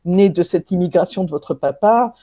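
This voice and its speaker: A woman's voice: on the low side, normal speed, dark tone, no room sound, clean studio sound. A woman interviewer asking long, winding questions with restarts.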